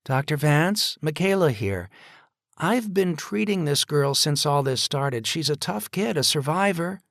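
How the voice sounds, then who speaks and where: A man's voice: fairly high pitch, lively intonation, a little slow, gravelly, a bit bright, no echo, studio quality, pitched above the performer's own voice, heavily acted. A man voicing an earnest woman nurse who talks in an urgent, pleading way.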